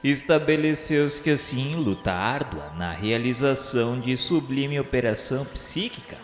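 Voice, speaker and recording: A man with a Brazilian accent gives a solemn, formal, scripted literary narration in the style of a radio novela. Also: mid-range voice. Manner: solemn, formal, measured delivery. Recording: echoey hall-like reverb, music behind. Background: music.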